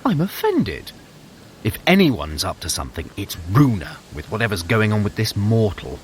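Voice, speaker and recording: A man's voice: on the low side, wildly swooping pitch, normal speed, slight background noise. An actor playing a sly, haughty trickster god in an audio drama, theatrical and sarcastic, drawling his words. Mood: dry, mocking.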